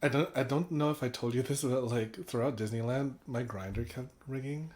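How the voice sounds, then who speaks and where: A young man hosting a podcast, chatting casually with a friend, animated and laughing often. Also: mid-range voice, a little fast. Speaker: podcast host. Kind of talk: casual chat.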